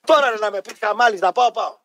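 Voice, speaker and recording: A man hosting a sports radio show, ranting loudly, mocking and swearing, repeating his jabs. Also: sits high. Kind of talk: heated talk-radio rant.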